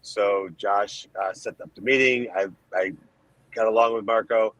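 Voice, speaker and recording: A man from Colombia, a political candidate answering interview questions in emphatic, rapid-fire lists of points. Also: fairly low pitch, fairly even intonation, fairly bright tone, no echo, low-quality recording. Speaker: Senate candidate, guest.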